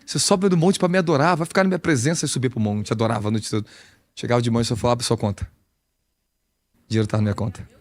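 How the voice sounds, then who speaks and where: Rapid-fire and medium in pitch, an apostle's sermon pours from a man with a Brazilian Portuguese accent, lively and conversational, with rhetorical questions coming often.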